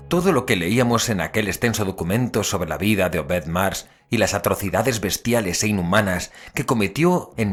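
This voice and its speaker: A man playing a grave, haunted investigator, narrating an audio drama in a solemn, literary way. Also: low-pitched. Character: male investigator recounting dark horrors, grave and haunted.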